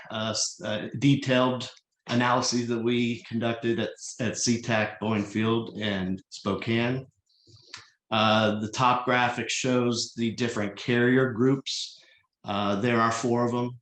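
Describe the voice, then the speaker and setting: A man giving a slide presentation at a virtual public meeting as a consultant, speaking in a measured, explanatory but halting and hesitant way. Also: medium pitch, fairly even intonation, fairly bright tone. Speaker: consultant presenting an air cargo forecast. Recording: echoey, roomy voice pickup.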